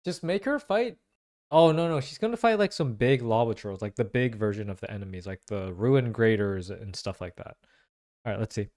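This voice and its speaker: A man hosting a casual reaction video, thinking aloud in slangy, excitable commentary. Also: fairly low pitch, normal speed. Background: faint music.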